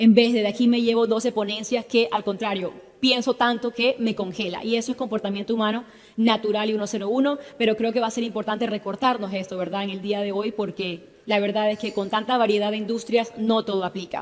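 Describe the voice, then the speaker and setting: Fairly quick talking from a woman at a fairly high pitch, noticeable background noise underneath. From Colombia, Barranquilla. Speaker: business speaker. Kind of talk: conference talk. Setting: stage with audience. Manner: fast; animated.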